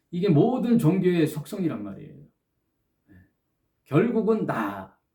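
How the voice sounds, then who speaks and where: A man's fairly high-pitched voice with a dark, mellow tone and vocal fry, very wide pitch swings, and a fairly slow pace. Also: long, frequent pauses, big swings in loudness. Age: 70s. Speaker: pastor. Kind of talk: sermon. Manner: halting.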